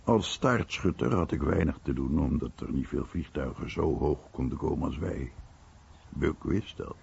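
Male documentary narrator, extremely low, heavily creaky and husky, scripted delivery. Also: normal speed, darkish tone, a little hiss or hum. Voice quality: gravelly. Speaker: documentary narrator and voice-over translator. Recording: dull, muffled broadcast recording.

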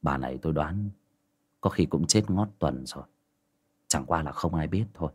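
A man voicing a calm, grim young exorcist in a folk ghost story. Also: slow pace, dry recording, studio quality, full character voice. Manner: flat, low, muttered.

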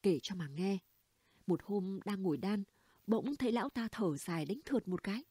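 A woman's voice: mid-range voice, expressive, moderate pace, dark tone, husky, dry recording, studio quality. A woman reading the dialogue of a gossipy, blunt middle-aged neighbor woman in an audiobook, chatty and conspiratorial. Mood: gossiping.

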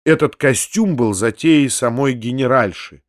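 A man's voice: medium pitch, unhurried, no echo, clean studio sound. Man narrating a classic novel. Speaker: audiobook narrator. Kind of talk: literary narration.

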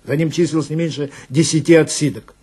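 A man's voice: a little high, fairly even intonation, brisk, warm tone, husky. A man telling a first-person story dramatically, in a conversational, wry way, as a police detective narrator.

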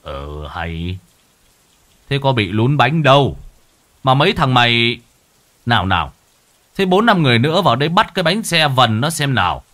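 A man's voice: mid-range voice, very animated, moderate pace, long pauses, pushed and bright. An old village elder barks orders and then grimly warns of a restless spirit, as a male storyteller puts him on. The voice swings widely up and down, commanding and ominous in a folk horror tale. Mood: bossy. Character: old village elder man, bossy and superstitious.

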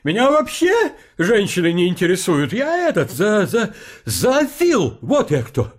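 A man's voice: high-pitched, huge pitch swings, unhurried, heavily acted. A man acting a panicky, cornered, bookish lover in a comic radio play, stammering and pleading. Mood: flustered pleading. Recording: studio radio play, music behind.

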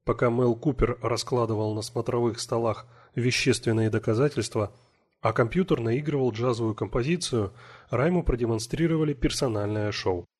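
Husky male audiobook narrator. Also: mid-range voice, moderate pace, a little mellow. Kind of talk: scripted narration.

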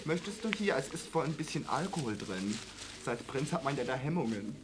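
A man's voice: mid-range voice, expressive, a little fast, noisy background, natural voice. A man acting in a comic radio play as a vain, fussy, theatrical gay homemaker who exclaims and gossips in a camp manner. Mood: chatty, indignant.

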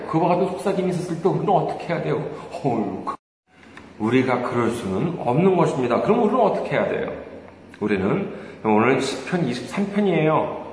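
A male pastor preaching a sermon, animated and full of rhetorical questions to the congregation. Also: fairly high pitch. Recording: echoey church hall, faint noise.

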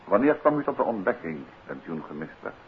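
An urbane, inquisitive Dutch detective in a 1950s radio drama. His voice is low and swings widely in pitch. The recording is narrow and old, with some noise. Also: sing-song, fast. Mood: probing, calm. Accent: Netherlands Dutch. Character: urbane male amateur detective, confident, inquisitive, married.

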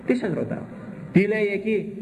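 An older man preaching a sermon on scripture, animated and mocking, firing rhetorical questions at his listeners. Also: sits high, gravelly. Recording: echoey room.

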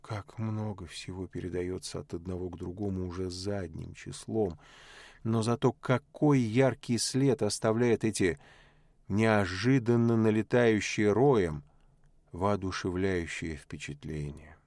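A man narrating a literary audiobook in a measured, unhurried way. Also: lowish voice, darkish tone, dry recording, studio quality.

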